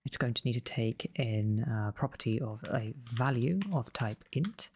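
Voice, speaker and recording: A man losing his voice, walking through a coding tutorial in a relaxed way and often correcting himself as he goes. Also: medium pitch, unhurried, slightly rough. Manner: relaxed, self-correcting explanations. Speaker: game development tutor. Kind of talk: screen-recorded coding tutorial.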